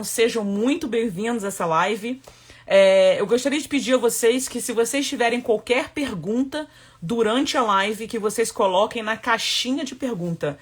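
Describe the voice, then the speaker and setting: Upbeat chatty woman hosting a live stream. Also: mid-range voice. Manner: chatty, repetitive list-making, upbeat. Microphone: webcam or phone for live stream.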